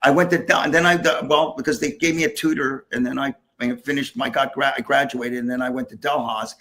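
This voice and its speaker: A man's voice: mid-range voice, fairly even intonation, a little fast, sharp tone. A man, hosting a podcast in a casual, rambling chat full of restarts and chuckles. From United States, Levittown area. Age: 60s. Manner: rambling, friendly, many restarts, chuckles often. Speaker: podcast host.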